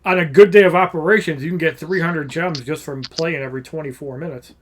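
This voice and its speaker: A man's voice: on the high side, fast talker. A man as a podcast guest, chatting casually and giving blunt, opinionated takes with free swearing.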